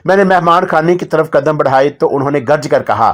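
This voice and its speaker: A man narrating a first-person novel in a measured storytelling voice. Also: fairly high pitch.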